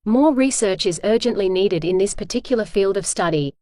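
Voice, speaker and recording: A woman's voice: medium pitch, lively intonation, brisk, mellow, dry recording, clean studio sound. A woman reading scripted practice sentences aloud for an English exam lesson.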